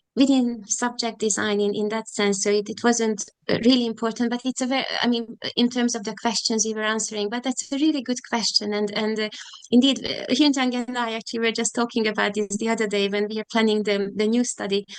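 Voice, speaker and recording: This woman has a Hungarian accent. Her pitch is fairly high. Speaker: professor. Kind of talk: academic Q&A.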